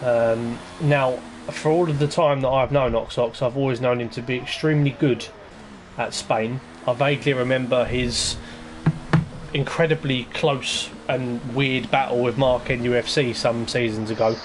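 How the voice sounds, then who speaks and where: A man's voice: medium pitch, steady tone, moderate pace, slight background noise. Rambling male sim-racing commentator. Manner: rambling and hesitant, lots of ums. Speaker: lead commentator of an online racing league. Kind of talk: casual race-preview commentary.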